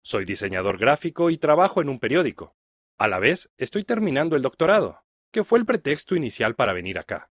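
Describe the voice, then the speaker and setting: A middle-aged man from Mexico with a Mexican Spanish accent, reading a first-person text aloud for language learners in a clear, even delivery. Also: mid-range voice, a little fast, no room sound, clean studio sound. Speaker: reader of a listening text.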